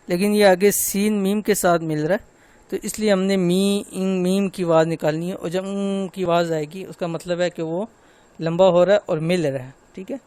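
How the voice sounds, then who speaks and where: A man's voice: high voice, a little mellow, clean tone. A man teaching a tajweed lesson to women, explaining patiently step by step and drawing out the letters as he recites them.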